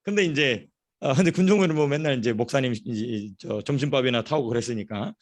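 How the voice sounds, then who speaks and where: A man preaching a sermon as a pastor, telling stories in an animated way and repeating phrases for emphasis. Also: mid-range voice, quick pace. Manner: storytelling, animated. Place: church.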